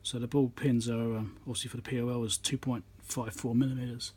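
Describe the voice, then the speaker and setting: A man giving casual hands-on commentary as he works, halting and half talking to himself while he concentrates, recorded on a phone at an indoor workbench. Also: medium pitch, flat delivery, a little mellow, breathy edge. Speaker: electronics repairer, channel host. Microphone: phone on a tripod above the work. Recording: noisy room recording on a phone.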